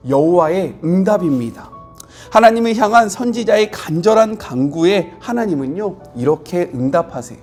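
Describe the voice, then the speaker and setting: A man's voice: high-pitched, a little mellow. A middle-aged man preaching a devotional sermon as a pastor, explaining scripture earnestly and voicing the quoted lines with growing intensity.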